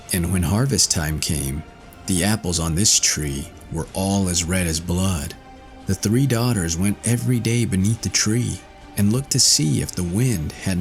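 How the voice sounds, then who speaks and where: A man with a low voice narrates a classic fairy tale as an audiobook. He reads from a script in storybook style, with faint music playing behind him.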